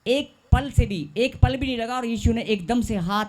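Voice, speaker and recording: A man's voice: very high-pitched, moderate pace, darkish tone. A male pastor preaching a sermon, leading the congregation in call-and-response and stretching out repeated phrases for emphasis.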